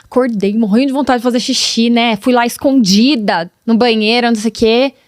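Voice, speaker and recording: A woman in her thirties with a São Paulo interior caipira accent, a podcast guest telling stories in an animated, casual way. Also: a little high, brisk, no room sound, studio quality. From Piracicaba, São Paulo state, Brazil. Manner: animated, acts out dialogue, laughs often. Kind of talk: casual storytelling chat.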